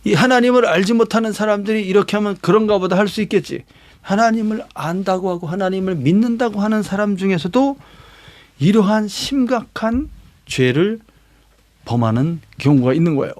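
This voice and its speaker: A man's voice: sits high, moderate pace, no room sound. A middle-aged man preaching a sermon as a pastor, explaining scripture verse by verse with rhetorical questions and prompting asides.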